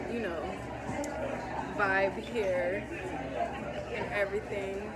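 A woman is speaking. Crowd noise fills the background. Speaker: vlogger. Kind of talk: casual vlog chat. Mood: amused, playful. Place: cafe. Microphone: phone near.

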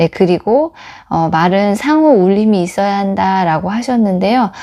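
At a moderate pace, a woman talks in a plain, everyday voice with lively intonation. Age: 40s. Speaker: book review YouTuber. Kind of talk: book review monologue.

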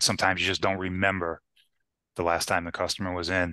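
Very deep and low, a man's voice has a bright, sharp tone and monotone, flat intonation at a very fast pace. The sound is dry with no echo over a quiet background. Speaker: auto repair shop owner. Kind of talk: live webinar panel discussion. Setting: video call webinar. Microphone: headset.

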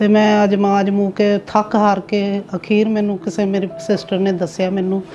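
Mid-range pitch from a woman, with music playing behind. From Ludhiana, Punjab, India. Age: 50s. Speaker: patient giving testimonial. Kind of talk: patient testimonial to camera.

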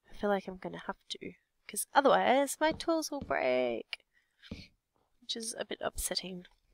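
The sound is close and dry, without any echo. A woman talks at a moderate pace. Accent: Australian. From Australia. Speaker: gamer. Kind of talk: game commentary. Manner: casual, chatty.

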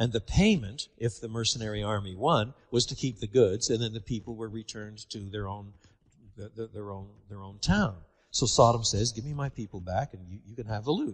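Against a quiet background, a man with a somewhat breathy, medium-pitched voice speaks fairly quickly, with ordinary pitch variation and big swings in loudness. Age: 60s. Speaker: lecturer. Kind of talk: lecture. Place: stage.

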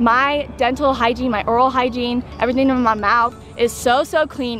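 A moderate pace, a dry sound with no echo, and faint music in the background. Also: woman. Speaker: vlogger. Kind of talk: casual vlog chat with a sponsor read. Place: stadium. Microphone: phone near.

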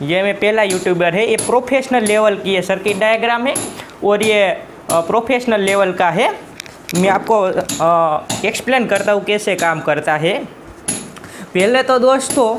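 Over light background noise, a man with a Gujarati accent speaks at a very slow pace and a high pitch for a man. His loudness stays very even, with ordinary pitch variation. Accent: Gujarati-accented Hindi. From Gujarat, India. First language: Gujarati (speaking Hindi). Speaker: electronics YouTuber, electrical engineer; electronics YouTuber. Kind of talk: tutorial. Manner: halting. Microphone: phone near.

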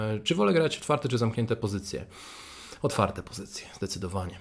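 Against a quiet background, a man speaks in a fairly low pitch. His pitch variation is ordinary. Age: 30s. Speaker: chess youtuber and English teacher; chess youtuber, English teacher. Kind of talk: casual Q&A chat. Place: home room.

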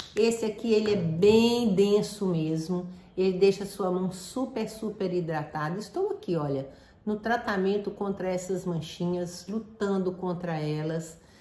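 A woman speaks at a moderate pace. Room echo can be heard around her voice. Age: 60s. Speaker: beauty vlogger. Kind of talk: product review tutorial; casual vlog chat. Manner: casual. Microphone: phone near.

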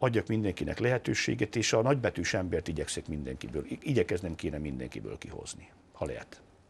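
A man's voice with very wide pitch swings and vocal fry. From Serbia. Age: 50s. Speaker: radio journalist. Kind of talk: interview. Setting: studio. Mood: reflective, animated. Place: studio. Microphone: lapel.

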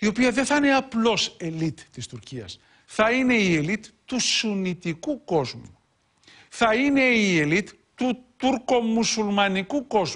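A man with a high pitch and lively intonation speaks at a fairly slow pace against a quiet background. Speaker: journalist and defence analyst; journalist, defence analyst. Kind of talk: solo commentary broadcast. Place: studio.

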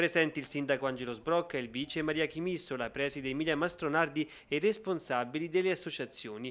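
A man with an ordinary speaking voice, fairly high pitch, ordinary pitch variation, a fairly quick pace and hardly any pauses, in a quiet background. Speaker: reporter. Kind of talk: news reading.

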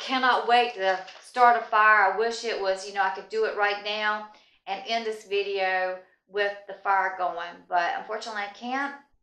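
Her bright, sharp voice moves at a moderate pace with monotone, flat intonation, and the woman is heard over a quiet background with audible room echo. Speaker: homesteading vlogger. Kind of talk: casual vlog chat. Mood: happy, warm sign-off. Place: home room.

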